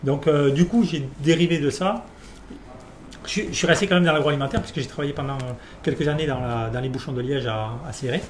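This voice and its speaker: A man who speaks haltingly, full of "euh" and restarts. His voice rings in an echoey room, and a faint ambience hum sits under it. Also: fairly high pitch. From Perpignan, France. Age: 40s. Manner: hesitant, many fillers and restarts. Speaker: winemaker guest. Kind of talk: casual interview.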